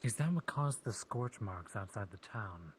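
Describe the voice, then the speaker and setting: A man playing a practical, low-key fantasy adventurer in improvised roleplay, understated and a little hesitant. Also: expressive, normal speed, a little hiss or hum, lightly acted. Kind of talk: improvised virtual reality roleplay.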